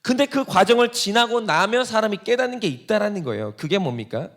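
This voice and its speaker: A male pastor delivers a sermon in a high, expressive, brisk voice with a slightly bright edge. He poses rhetorical questions to the congregation and performs quoted voices, including Satan's taunting words.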